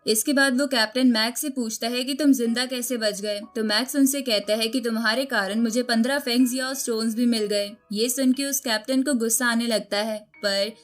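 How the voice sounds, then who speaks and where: A woman's voice: fairly high pitch, fairly even intonation, fairly quick, hardly any pauses, faint music behind. A woman reading a scripted story recap as a narrator.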